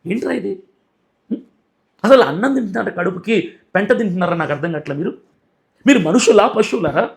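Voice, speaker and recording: High-voiced indignant man scolding. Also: lively intonation, fairly quick, gravelly, long pauses. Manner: indignant, scolding, repetitive rhetorical questions. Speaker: Christian activist and YouTuber. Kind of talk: angry video rant.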